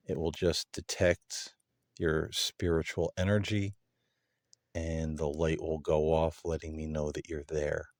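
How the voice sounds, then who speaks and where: A man hosting a paranormal session, addressing spirits in a gentle, polite and earnest manner. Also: low voice, no echo, studio quality. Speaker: host of paranormal contact sessions.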